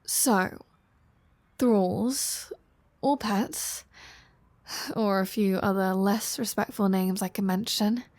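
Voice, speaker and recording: A woman's voice: mid-range voice, fairly even intonation, a little mellow, no room sound, lightly acted. A woman playing a flirty, sardonic female vampire in an intimate roleplay audio drama, teasing and casual. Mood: casual explaining. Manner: teasing, casual, sardonic, with sighs and drawn-out phrasing.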